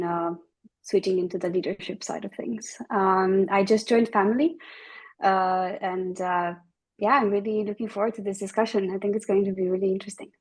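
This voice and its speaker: A woman from Romania in her thirties, speaking as an engineering leader on a video call. Her voice is mid-pitched and her explanations come out thoughtful and articulate. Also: low-quality recording. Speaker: engineering leader, panel guest. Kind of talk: video call roundtable discussion.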